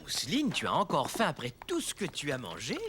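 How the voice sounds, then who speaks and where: A man's voice: on the high side, wildly swooping pitch, a little fast. A man voicing a playful, kindly young cartoon father with a courteous, mock-formal manner. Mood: gentle. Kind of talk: French-language children's cartoon dub. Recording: music behind the voice.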